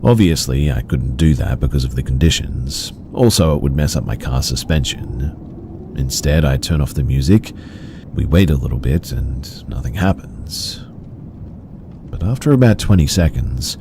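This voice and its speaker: Man, horror story narrator, dark, gravelly, measured somber pacing. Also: extremely low pitch, a little hiss or hum. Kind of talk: scripted narration of first-person horror stories.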